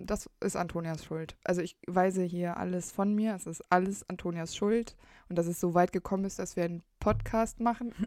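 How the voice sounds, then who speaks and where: The pace is moderate, and it is an ordinary speaking voice. Nothing can be heard behind it on this very clean recording. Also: woman, medium pitch for a woman. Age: 20s. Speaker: podcast co-host. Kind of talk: casual chat.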